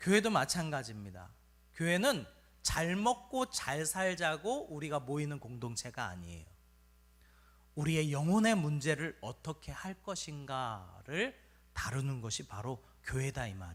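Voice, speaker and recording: On a very clean recording with a silent background, a somewhat breathy man speaks at a fairly slow pace and fairly high pitch, in an animated tone with very wide pitch swings. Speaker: pastor. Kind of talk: sermon.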